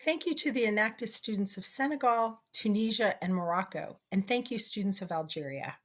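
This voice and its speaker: Female event presenter, scripted delivery, medium-pitched voice. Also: lively intonation, a little fast.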